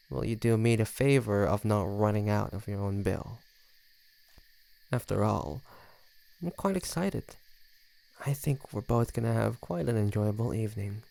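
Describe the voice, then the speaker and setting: A suave, predatory male vampire, acted by a man for an audio drama. His voice sits low with a gravelly creak, and he takes his time over every sardonic, flirtatious line. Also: a little mellow, heavily acted. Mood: playful, menacing. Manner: sardonic, flirtatious, drawling with sighs and chuckles. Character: teasing, smug century-old male vampire, suave and predatory. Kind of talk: roleplay audio drama, intimate one-sided dialogue.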